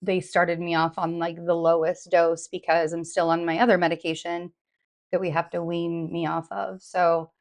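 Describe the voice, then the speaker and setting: A woman with a hoarse, slightly raspy voice, giving viewers a casual, rambling update full of fillers and restarts. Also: on the low side, flat delivery, moderate pace. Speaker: tarot reader and vlogger. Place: home in New York.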